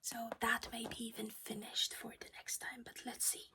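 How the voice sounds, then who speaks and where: A woman's voice: on the high side, completely flat delivery, normal speed. A woman whispering her way through a casual cross-stitch project chat at home while losing her voice.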